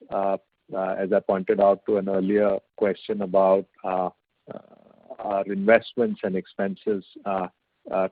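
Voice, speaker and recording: Low-voiced man on a tinny phone line. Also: dry recording. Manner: halting, measured, hedging. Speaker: company executive answering analysts. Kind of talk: earnings call answers. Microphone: conference call phone line.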